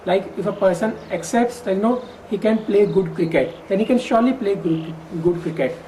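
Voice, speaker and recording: Mellow-voiced Indian woman explaining calmly. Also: mid-range voice, a little hiss or hum, low-quality recording. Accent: Indian English. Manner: measured, explanatory, with occasional stammered restarts. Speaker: workshop participant who stammers. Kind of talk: exit interview, explaining in earnest.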